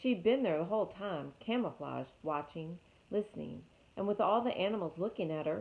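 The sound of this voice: The intonation rises and falls in a lively way. It comes from an unforced reading voice.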